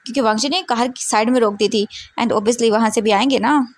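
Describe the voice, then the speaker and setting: A woman's voice: a little high, brisk, no echo. A woman retelling a fanfiction story in a chatty, casual way, dropping in English words.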